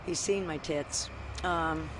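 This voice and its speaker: A woman's voice: sits low, fairly even intonation, slow. An older woman answering a street interview in a blunt, matter-of-fact way. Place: outdoors on a residential street. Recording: noisy outdoor street interview.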